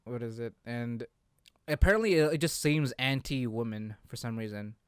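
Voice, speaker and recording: A man's voice: medium pitch, normal speed, clean tone, dry recording, clean studio sound. A man talking casually as co-host of a gaming discussion, a little hesitant and often repeating himself. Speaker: co-host of a video game discussion show. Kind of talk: casual chat.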